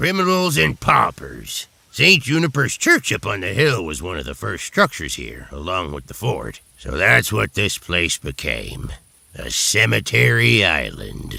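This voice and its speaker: A man's put-on character voice, very deep and rumbling, with big swings in loudness at a moderate pace. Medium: video game. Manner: sarcastic, grumbling.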